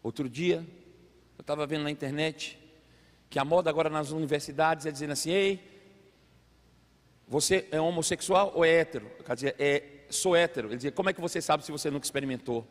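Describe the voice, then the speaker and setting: A man preaching a sermon as a pastor, telling a family story with animated acted-out voices. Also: a little high, brisk. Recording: long hall reverb.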